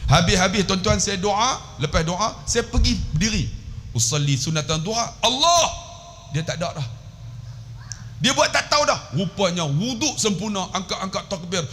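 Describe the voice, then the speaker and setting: Malaysian male preacher, storyteller's energy, slightly high voice. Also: moderate pace, a little hiss or hum. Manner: lively storyteller, acts out voices and laughs. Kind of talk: mosque sermon with storytelling. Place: small mosque prayer hall.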